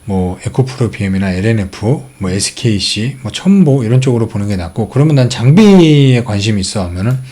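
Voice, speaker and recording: Middle-aged male host, lively pitch, casual filler-heavy stock commentary. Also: fairly quick, hardly any pauses, husky. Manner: explains charts step by step with many fillers.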